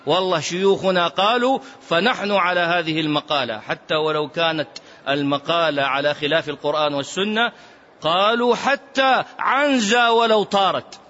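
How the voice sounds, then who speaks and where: A man's voice: high voice, moderate pace, pushed and bright. Emphatic man teaching a mosque lesson. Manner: emphatic, chanting some phrases, rhetorical questions. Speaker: religious teacher. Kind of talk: mosque lesson explaining hadith. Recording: muffled lo-fi recording.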